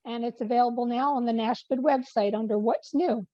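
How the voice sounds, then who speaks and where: A woman's voice: a little high, a little fast, mellow, dry recording, dull audio. A woman giving a policy update on a video call, losing her voice, with many fillers and restarts. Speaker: policy presenter. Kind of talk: online meeting update.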